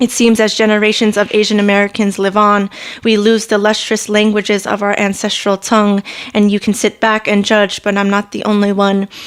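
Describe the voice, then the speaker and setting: The speaker talks at a fairly quick pace with a Californian accent and monotone, flat intonation. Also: woman, medium pitch for a woman. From California, Stockton. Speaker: poet and educator. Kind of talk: spoken word poetry performance.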